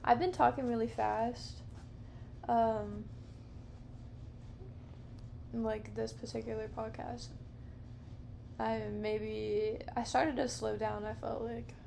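A woman in her thirties hosts a solo podcast late at night in a dim living room, rambling slowly and softly in a meandering, casual monologue full of fillers. Her voice is on the high side with vocal fry, picked up close by a camera, handheld or on a low stand, with a little hiss or hum.

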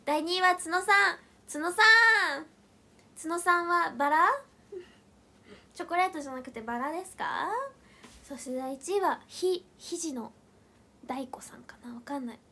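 High-voiced young woman chatting on a livestream. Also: pushed and bright. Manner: chatty and playful, reacting to comments with quick questions; counts aloud and thanks viewers by name in long lists. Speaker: idol group member hosting a livestream. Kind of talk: casual livestream chat reading viewer comments.

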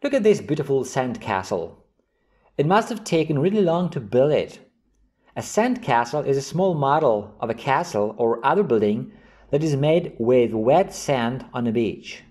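A man hosting an English vocabulary lesson, reading example sentences and definitions slowly and clearly. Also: mid-range voice, very animated, a little mellow. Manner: slow, carefully enunciated reading of example sentences. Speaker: English teacher.

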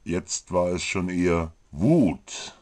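A man's voice: sits low, expressive, takes it slowly, a little mellow. A man narrating a comic fantasy story from a script.

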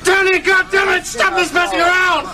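Distraught father screaming, very high-pitched. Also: flat delivery, normal speed, over a noisy crowd, very noisy. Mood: anguished fury. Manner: shouting, desperate, pleading. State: distraught, crying out. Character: grief-crazed father at his young son's burial. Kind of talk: radio drama acting.

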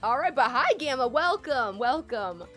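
A young woman hosting a casual game stream, loud and excitable, her throat strained from screaming. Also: high-pitched, normal speed. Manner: loud, excitable, shrieks at plays. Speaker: streamer host. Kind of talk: casual gaming stream chat. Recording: light game music behind.

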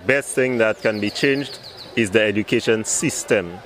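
A man answering slowly, searching for his words in a street interview. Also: fairly low pitch, fairly bright tone, slight background noise.

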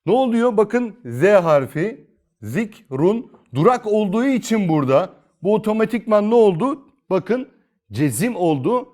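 A male Quran reading teacher, a little higher-pitched than most men, whose voice rises and falls a lot as he explains each rule. He asks his students questions and answers them himself, going over the steps again and again. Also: big pitch swings, a little slow, a little mellow. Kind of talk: step-by-step recitation lesson.

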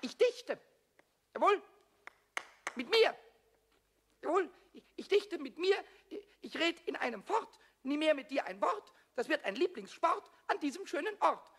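A man voicing a small, cheeky, childish kobold in a children's radio play, squeaky, boastful and melodramatic. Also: big pitch swings, measured pace, fairly bright tone, a little hiss or hum, full character voice. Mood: defiant, cheeky. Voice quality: squeaky, screechy.

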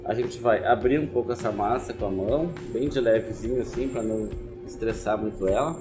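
Brief: Brazilian man, thirties, baker teaching in a kitchen, patient explaining tone, soft music under him. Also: lowish voice, brisk. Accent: Brazilian Portuguese. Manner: explanatory, gentle, many "né" and "assim" tags. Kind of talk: cooking demonstration.

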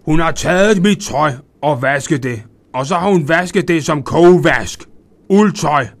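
A man voicing a grumpy little old male farm elf with a white beard, shouting and hot-tempered. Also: mid-range voice, big pitch swings. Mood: furious.

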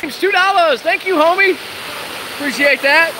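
A woman's voice: very high-pitched, normal speed. An enthusiastic woman giving a casual, informal vlog tour, walking through and commenting as she goes. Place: large metal shed in rain. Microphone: handheld camera. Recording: very loud rain roar and hiss.

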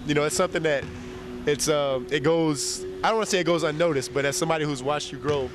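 Fast-talking young man with a cold. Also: fairly high pitch, over music. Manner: easygoing, rambling, playful. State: nasal from a cold. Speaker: interview guest, basketball player. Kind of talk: casual interview chat. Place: empty indoor arena seats. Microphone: handheld mic.

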